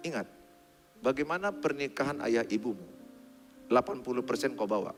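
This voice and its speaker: A man preaching a sermon in a large church hall, lively and joking, addressing the congregation bluntly. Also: mid-range voice, normal speed. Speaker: pastor. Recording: long hall reverb, faint music.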